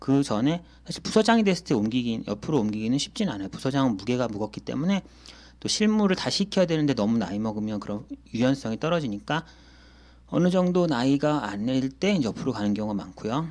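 On a very clean recording with a silent background, a man speaks at a fairly quick pace in a medium pitch with very wide pitch swings. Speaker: finance professional giving career advice. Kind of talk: explainer talk over slides. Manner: halting, many fillers.

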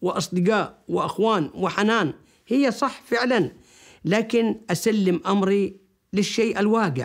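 Recorded very cleanly over a silent background, a man with a Yemeni accent speaks very slowly in a high voice with ordinary pitch variation. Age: 50s. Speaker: businessman. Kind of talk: personal testimony. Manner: halting.

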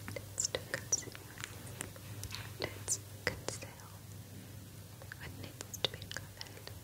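A woman's voice at a very slow pace, with long, frequent pauses. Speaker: ASMR artist. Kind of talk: ASMR personal attention role play. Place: home room.

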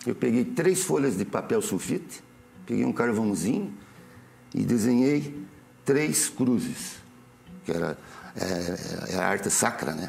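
Over music in the background, a man speaks at a very slow pace with long, frequent pauses. His medium-pitched voice swings very widely. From Brazil, Curitiba. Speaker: visual artist. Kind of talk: TV interview. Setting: studio. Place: studio. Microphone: lapel.

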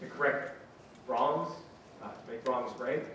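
Moderate-paced male speech with light background noise and audible room echo. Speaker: safe streets advocate. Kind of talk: panel presentation. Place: hall.

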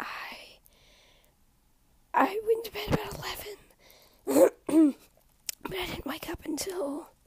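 Whispering at a moderate pace. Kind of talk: casual vlog to camera. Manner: whispered.

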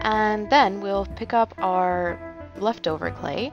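There is music in the background. Over it, a woman is speaking. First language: non-native English speaker. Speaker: polymer clay crafter. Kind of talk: craft tutorial voice-over. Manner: casual, with filler words.

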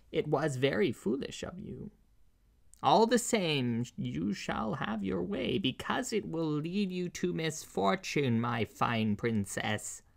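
A man performs a put-on character voice at a fairly slow pace, his pitch swinging very widely. The recording is very clean, with a silent background. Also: medium pitch for a man. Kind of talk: storytelling, acted dialogue. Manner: menacing, mocking.

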